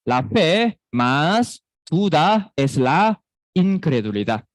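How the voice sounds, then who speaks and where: Costa Rican pastor, male, high lively delivery, slow and deliberate, dry close sound, keeps quizzing the flock. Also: no room sound. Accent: Costa Rican Spanish. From Costa Rica. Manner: preaching with rhetorical questions to the congregation; acts out quoted voices, sweet and scolding. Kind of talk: sermon.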